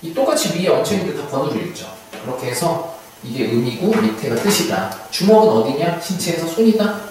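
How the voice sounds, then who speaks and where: A man's voice: fairly high pitch, animated, fairly quick, darkish tone. A male instructor giving a recorded lecture, chatty, who keeps asking his students questions and then answering them himself. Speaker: hanja certification instructor. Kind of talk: online video lecture. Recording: echoey room, mic far off, faint hiss.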